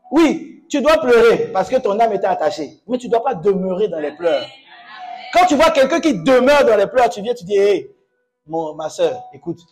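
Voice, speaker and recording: A pastor preaches to his congregation, urging them on through call-and-response and breaking into loud exclamations. His voice sits high.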